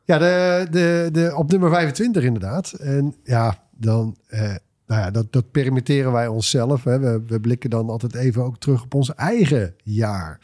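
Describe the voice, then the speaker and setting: A man with a dark, mellow, mid-pitched voice co-hosts a podcast. He chats casually and haltingly, often repeating words. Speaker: podcast co-host. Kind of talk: casual chat.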